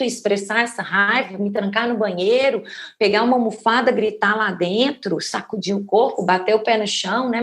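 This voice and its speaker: A woman from Brazil talks through her thoughts in a relaxed podcast chat. She speaks reflectively and keeps checking in with small tag questions as she goes. Her tone stays conversational and searching. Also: mid-range voice. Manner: thoughtful, searching for words, many "né?" tags. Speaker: podcast co-host.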